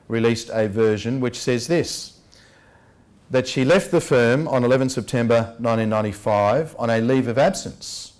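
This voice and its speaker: An Australian man delivering an investigative lecture in an emphatic, rhetorical manner, leaning on key words with deliberate stress. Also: mid-range voice, a little mellow. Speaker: public speaker, lecturer. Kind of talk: public address, investigative lecture. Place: public talk at a venue.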